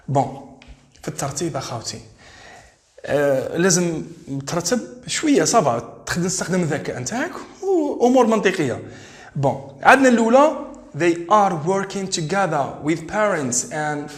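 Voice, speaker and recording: A man with an Algerian Arabic accent, teaching an English exam lesson in Arabic and English and reading the English sentences slowly, with drawn-out words. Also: on the high side, echoey room.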